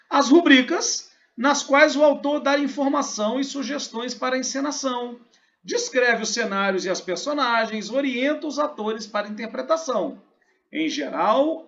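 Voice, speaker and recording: Brazilian male teacher, animated delivery, dull lo-fi sound, talks students through a lesson. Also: very high-pitched. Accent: Brazilian Portuguese. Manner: explanatory, asks and answers his own questions. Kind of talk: recorded online class.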